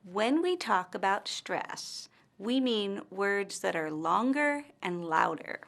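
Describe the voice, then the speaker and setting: Lady teacher reading a lesson script, slow careful delivery, pitch right in the middle. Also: very animated, creaky, a bit bright. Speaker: language teacher. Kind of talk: scripted instructional narration.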